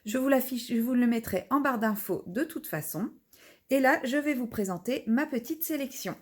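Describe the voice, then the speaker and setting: A woman's voice: fairly high pitch, expressive, normal speed. A woman vlogger in a casual unboxing video, chatting as she describes each craft item while she unpacks it at home.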